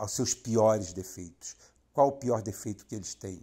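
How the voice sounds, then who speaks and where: A somewhat breathy man's voice, fairly low in pitch, with ordinary pitch variation. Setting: home, sitting on the sofa in the dark, late at night. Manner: fiery, indignant, emphatic, repeating words for force.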